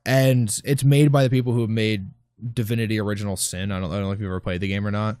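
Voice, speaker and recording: A man's voice: on the low side, fairly even intonation, quick pace, darkish tone, no echo, studio quality. A man co-hosting a casual gaming chat, rambling and grumbling with plenty of swearing. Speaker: podcast co-host.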